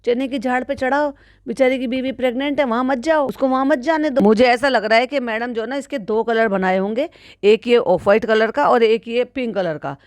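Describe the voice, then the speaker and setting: A woman reacts to a video with teasing, sarcastic commentary. Her voice sits fairly high and sounds dry and close, with no room around it. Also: brisk, no room sound. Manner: teasing and sarcastic, with frequent laughs. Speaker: reaction vlogger.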